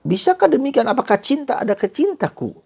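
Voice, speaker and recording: A man preaching a sermon after an opening prayer, moving between soft whispered phrases and loud emphatic lines. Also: very high-pitched, big pitch swings, fast, vocal fry, husky. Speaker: priest.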